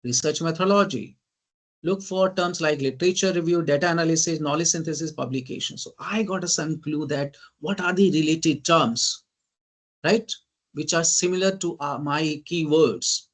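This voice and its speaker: A man with an Indian English accent gives an online teaching lecture in a fairly high voice. He rattles off lists of terms in emphatic bursts. He keeps checking in with "right?" and often says "ladies and gentlemen.". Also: moderate pace. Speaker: guest lecturer.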